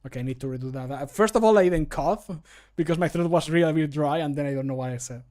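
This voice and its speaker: A man's voice: a little high, quick pace, darkish tone. A man on a live stream at his home desk, talking casually and mocking himself as he records and judges his own voice takes on a desk microphone. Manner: self-mocking, chatty, talks through each retake. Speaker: streamer recording voice lines for a game mod. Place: home room at a computer desk.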